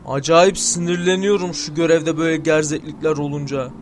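A young man commenting on his gameplay, swearing often and yelling angrily at the game. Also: a little high, steady tone, brisk, a little hiss or hum. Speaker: gameplay streamer.

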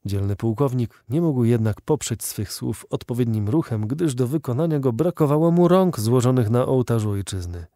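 A man narrating an audiobook novel in a steady, expressive reading style. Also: medium pitch, normal speed, hardly any pauses, no echo, clean studio sound. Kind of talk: scripted narration.

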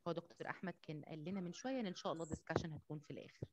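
A woman's voice: low voice, rapid-fire, background noise. An Egyptian woman co-chairing an academic session over a muffled online call, courteous and conversational, mixing in English terms. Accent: Egyptian Arabic. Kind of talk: polite conversational session moderating. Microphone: online video call.

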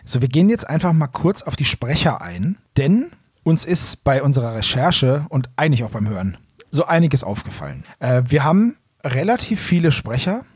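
A man's voice: medium pitch, big pitch swings, moderate pace, darkish tone, husky, no echo. A man, talking casually as the host of a podcast.

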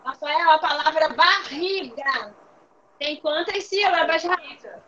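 A patient woman teaches over a video call, calling on pupils by name and asking her questions again until they answer. Her voice sits high and bright. The call audio is dull and lo-fi. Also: takes it slowly. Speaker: primary school teacher. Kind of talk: online class lesson.

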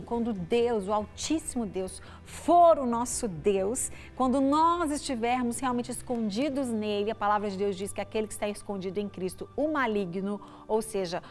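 A woman's voice: mid-range voice, darkish tone. A middle-aged woman pastor with a Brazilian Portuguese accent gives a short, conversational devotional talk in a TV studio. She speaks to the viewer through a lapel mic. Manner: conversational, often asks the viewer "né?". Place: TV studio set.

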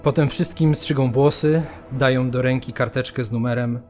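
An actor playing a sombre prisoner, narrating his memories gravely and deliberately in a radio drama. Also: mid-range voice, fairly even intonation, a little mellow, soft background music, close to an everyday voice. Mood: grim account. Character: sombre male camp prisoner stripped of his identity.

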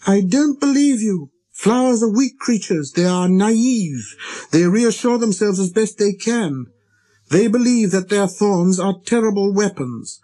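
A man voicing an earnest, persistent little boy prince in a storybook, with a high, light, childlike voice and an insistent way of talking. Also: lively intonation, measured pace, warm tone. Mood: indignant. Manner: insistent, questioning.

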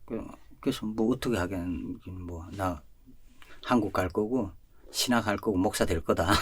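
A pastor from North Korea shares his personal testimony, telling it in an animated storytelling manner. His voice sits on the low side, he chuckles often, and he swings between loud and soft.

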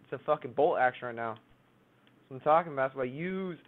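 A man swearing and complaining excitably while losing a casual one-on-one video game match. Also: mid-range voice, quick pace. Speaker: gamer, boyfriend. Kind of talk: casual gaming banter. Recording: tinny phone-like sound.

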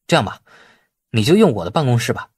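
Male narrator as a calm capable boss guy in a novel, casual and matter-of-fact, bit husky. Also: mid-range voice, fast, dry recording, clean studio sound. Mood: obliging, casual.

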